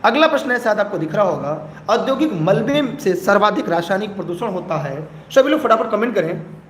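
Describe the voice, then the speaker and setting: A young male teacher with a high voice and an eastern Uttar Pradesh Hindi accent, running a live exam-prep class. He keeps pressing viewers to comment quickly and repeats key phrases. The room is echoey, with a faint hiss behind him. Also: animated, fairly bright tone.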